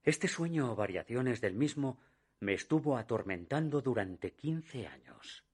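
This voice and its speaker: An actor playing a man in his thirties who recounts a recurring nightmare, narrating a radio drama in a measured, hushed way that sinks almost to a whisper at the darkest moments. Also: mid-range voice, very animated, husky. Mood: uneasy. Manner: measured, hushed storytelling that drops to a near whisper at dark moments. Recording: narration over music. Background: music.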